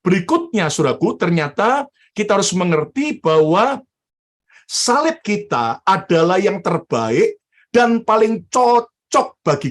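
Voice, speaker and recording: An animated male pastor delivering a sermon, with a noticeably high voice. He keeps calling on the congregation to say amen and applaud. His delivery is lively and direct. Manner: animated preacher, calls for amens.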